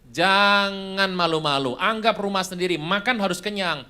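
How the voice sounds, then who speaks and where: A man's voice: fairly high pitch, animated, normal speed, a bit bright. A preacher voicing a welcoming middle-aged mother inviting her daughter's friend to dinner.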